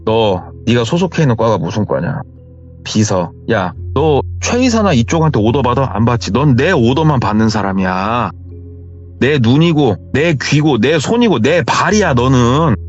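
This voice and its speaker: A man playing a foul-mouthed bully of a boss. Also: mid-range voice. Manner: barking, scolding. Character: foul-mouthed, short-tempered male company boss. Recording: muffled with faint music.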